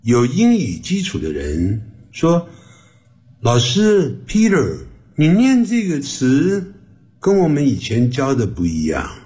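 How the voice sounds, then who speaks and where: A man's voice: fairly low pitch, a little mellow. A man teaching English to beginners on the radio, drawing words out and repeating them for practice. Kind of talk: slow beginner language lesson. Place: radio studio.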